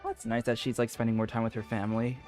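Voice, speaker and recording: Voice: mid-range voice, level tone, rapid-fire, a little mellow. A game streamer musing aloud in casual commentary while playing. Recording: faint game music behind. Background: game music.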